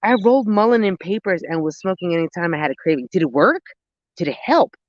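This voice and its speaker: A woman's voice: fairly low pitch, animated, quick pace, highs cut off, slight background noise. A woman of about forty chatting casually and expressively on a gardening livestream, slangy, thinking aloud and easily sidetracked as she answers comments. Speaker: host of a gardening and mental health livestream. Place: outdoors in a garden.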